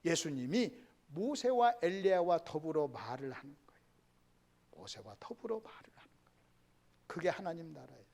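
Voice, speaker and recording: A male pastor preaching a sermon lecture, emphatic, keeps calling out to the congregation, and sometimes drops to a hushed whisper. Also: on the high side, big pitch swings, normal speed, long pauses.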